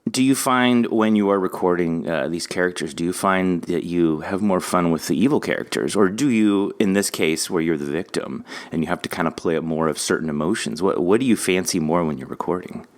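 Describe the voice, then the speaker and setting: A man's voice: low-pitched, fairly quick, hardly any pauses. A man hosting a podcast in a conversational, enthusiastic interview style. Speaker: podcast host.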